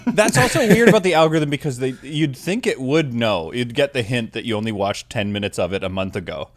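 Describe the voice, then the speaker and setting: A man's voice: medium pitch, lively intonation, fairly quick, no echo. A man co-hosting a podcast, chatting in a joking way and acting out quoted voices. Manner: jokey, acts out quoted voices. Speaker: podcast co-host. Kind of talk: casual podcast chat.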